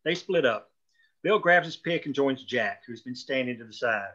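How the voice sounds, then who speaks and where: Bright-voiced man reading stage directions. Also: mid-range voice, expressive, moderate pace, dull audio. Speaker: narrator reading stage directions at a script table read. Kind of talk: scripted narration of screenplay directions.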